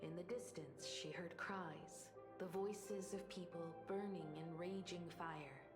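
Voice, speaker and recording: Low-voiced, composed young game heroine. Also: female voice, fairly even intonation, slow. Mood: solemn storytelling. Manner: composed, earnest. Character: resolute, caring grown daughter, a young heroine. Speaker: video game character. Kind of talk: dramatic game voice acting. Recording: slightly reverberant, music underneath. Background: background music.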